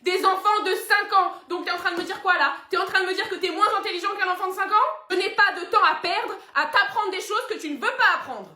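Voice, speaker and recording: A woman playing an exasperated young woman loudly scolding her father in a comedy sketch. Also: sits high, fairly even intonation, quick pace, few pauses. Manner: loud, hectoring rant. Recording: roomy echo.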